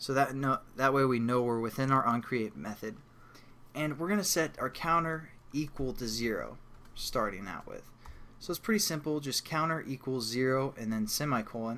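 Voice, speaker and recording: A man talks at a medium pitch. His tone is bright and sharp. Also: ordinary pitch variation. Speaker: programming tutorial instructor. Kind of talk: tutorial. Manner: fast; casual.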